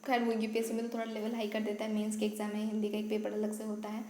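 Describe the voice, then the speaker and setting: A woman's voice: medium pitch, completely flat delivery, fast, a little mellow. A woman teaching a basic Hindi grammar lesson for exam preparation, explaining step by step and checking in with "ठीक है", and apologizing now and then for her own pronunciation. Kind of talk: online exam-prep lesson. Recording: echoey room with faint ambient noise.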